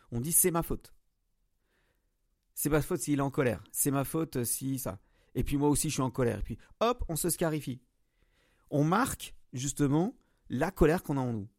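Gravelly-voiced man hosting a podcast. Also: mid-range voice, a little mellow, dry recording, clean studio sound. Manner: hesitant, many fillers and restarts; addresses listener directly. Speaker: podcast host. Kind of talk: solo podcast monologue on emotions.

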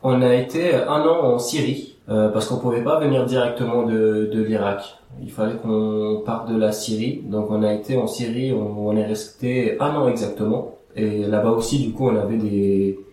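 Young man, from Iraq, first language Aramaic, hesitant, lots of fillers, low voice, very echoey room. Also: steady tone, normal speed, few pauses, warm tone, recorded from a distance. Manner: hesitant, many fillers and restarts. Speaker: interview guest. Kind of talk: casual interview.

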